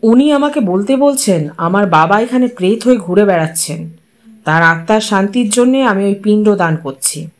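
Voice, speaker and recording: A woman's voice: medium pitch, animated, normal speed, lightly acted. Audiobook part: woman voicing a blunt defiant son, terse and questioning. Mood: bitter. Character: blunt grown son defying a ritual, man.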